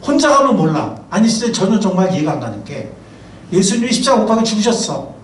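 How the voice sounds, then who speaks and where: A man preaching a sermon, a pastor and professor who talks in a lively, chatty way and keeps asking the congregation questions. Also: high-pitched, quick pace, a little hiss or hum. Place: church sanctuary. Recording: roomy, distant mic, faint ambience.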